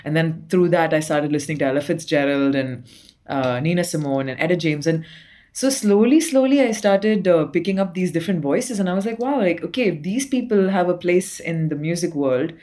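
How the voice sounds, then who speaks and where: Young woman guest, low-pitched, chatty and laughing, casual remote interview. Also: expressive, fairly quick, a little mellow. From Dubai. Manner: chatty, laughs often, many fillers. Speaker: guest singer-songwriter.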